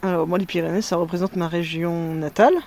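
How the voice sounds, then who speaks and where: A woman in her thirties speaks with a Parisian accent in a relaxed interview. She hesitates often, restarts her sentences and fills pauses with fillers. She is recorded outdoors in a garden. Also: lowish voice, gravelly. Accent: Parisian French. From France. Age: 30s. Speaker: guest, musher. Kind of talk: casual interview chat. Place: sunny garden in the mountains, outdoors.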